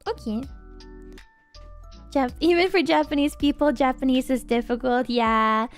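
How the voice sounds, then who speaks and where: Young female streamer, high and bright voice, chatty and giggly, close-miked, faint music behind. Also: unhurried. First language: Norwegian. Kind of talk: casual livestream chat.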